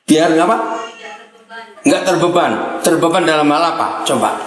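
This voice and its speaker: A man preaching a sermon, blunt and animated, firing rhetorical questions at his listeners. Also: fairly high pitch, moderate pace. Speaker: pastor. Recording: very echoey hall.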